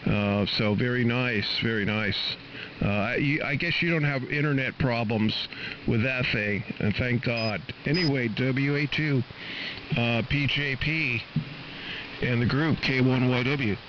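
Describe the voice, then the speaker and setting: An American man, middle-aged, chatting casually and haltingly as a ham radio operator over a shortwave AM link. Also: mid-range voice. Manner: halting, rambling. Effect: shortwave AM radio transmission. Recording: noisy, muffled shortwave radio reception. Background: radio static.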